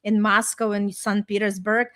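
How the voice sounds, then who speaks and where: A middle-aged woman with an Eastern European accent speaks at an average pitch. She is a podcast host who talks in a chatty, effusive way, sharing personal stories in casual conversation. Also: flat delivery, moderate pace, fairly bright tone. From small town in Ukraine, former Soviet Union. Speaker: podcast host and life coach.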